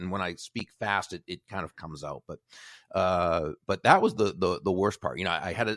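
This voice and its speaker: Dry and close with no echo on a very clean recording against a silent background, a man with an American accent speaks in a very deep, low voice with ordinary pitch variation and big swings in loudness. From outside Boston, Massachusetts. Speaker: sportscaster.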